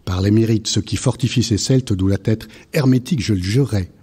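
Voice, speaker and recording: A man's voice: fairly low pitch, a little fast, mellow, breathy edge. A man reading a playful wordplay text aloud at a live public event, shifting between dialogue parts in a theatrical way. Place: library event before a live audience.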